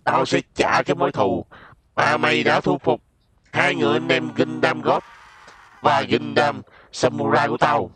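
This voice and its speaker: A man voicing a vengeful giant anime robot, making slow, deliberate threats in a game video. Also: medium pitch, fairly even intonation, a crowd in the background, close to an everyday voice. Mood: smug, vengeful.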